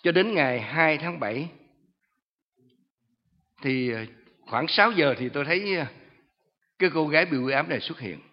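Earnest pastor telling a story. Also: male voice, fairly high pitch, lively intonation, moderate pace, pauses often, long reverb tail, highs cut off. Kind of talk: sermon testimony.

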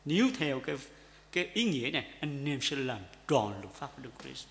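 A man preaching a sermon to his congregation. He repeats phrases and asks them questions, and swings between loud impassioned calls and quiet intimate asides. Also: mid-range voice, lively intonation, brisk, vocal fry. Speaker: pastor. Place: church sanctuary. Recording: echoey hall with long reverb.

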